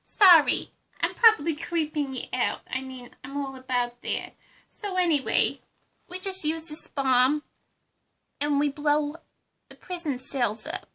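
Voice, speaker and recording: A giddy, unhinged villainess gushes in a very high, bright voice with a put-on accent, as a woman acts her out. Her words come slowly and sing-song, eager to please. It is a homemade fan roleplay. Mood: manic.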